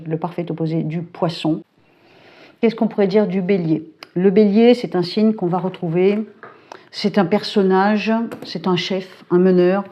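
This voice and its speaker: A middle-aged woman talking casually to camera, colloquial and brisk, with lots of fillers and hesitations. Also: lowish voice, dull audio. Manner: chatty, colloquial, frequent filler tags and hesitations; brisk and self-described hyperactive. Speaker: psychic YouTuber. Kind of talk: casual talking-head chat. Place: home.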